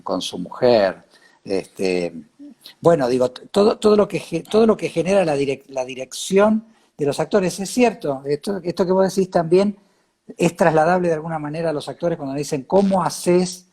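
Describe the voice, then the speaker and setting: Reflecting in an interview, this Córdoba-accented Argentine man has a mid-range, dark voice. His speech is halting, with repeated words as he works out his phrasing.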